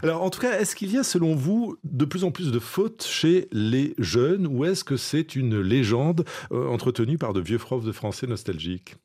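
A man's voice: mid-range voice, lively intonation, moderate pace, few pauses, a little mellow, slightly rough. Playful man hosting a radio interview. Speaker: radio host.

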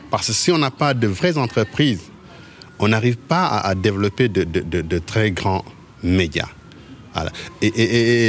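A man from Mauritania, a journalist answering interview questions in a halting way, often repeating words as he searches for them. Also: fairly low pitch, slight background noise. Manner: halting, with frequent word repetitions.

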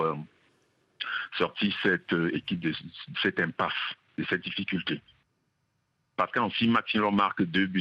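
A man's voice: deep voice, no room sound. A man calling into a radio show, earnest and hesitant, with many fillers. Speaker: caller. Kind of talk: radio call-in. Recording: dull phone line.

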